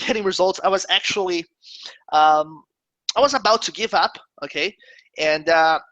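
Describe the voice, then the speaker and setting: A high, bright male voice with a Brazilian accent, recorded close and dry. He talks earnestly to a webinar audience and keeps reassuring them with fillers and "okay?" check-ins. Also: no echo, poor audio. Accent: Brazilian Portuguese. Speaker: webinar host. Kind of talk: live webinar presentation.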